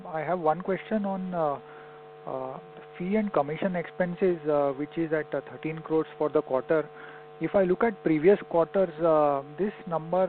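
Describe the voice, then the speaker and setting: A male analyst asks his question politely and haltingly, in short hesitant pieces. He is on a thin telephone line with a faint hum behind him. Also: fairly high pitch. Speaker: analyst caller. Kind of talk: polite question on an earnings call. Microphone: telephone handset. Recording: humming narrow phone line.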